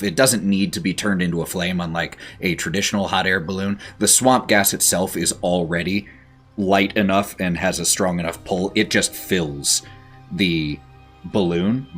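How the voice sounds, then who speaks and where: A man with a low voice narrates a tabletop fantasy game as its game master. He takes his time, painting scenes in measured, descriptive phrases. Faint music plays behind him. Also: husky.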